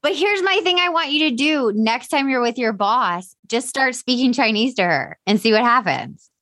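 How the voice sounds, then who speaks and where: A woman's voice: a little high, lively intonation, normal speed, pushed and bright, no room sound, studio quality. A woman hosting an interview, effusive and direct, pressing her guest with questions and encouragement. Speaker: host.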